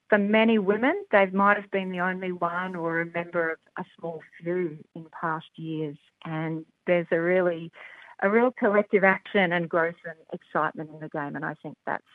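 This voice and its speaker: A woman's voice: lowish voice, no room sound. Enthusiastic Australian woman on a phone line. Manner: enthusiastic, upbeat, frequent "um" and "look". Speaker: rugby development representative. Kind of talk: phone interview guest.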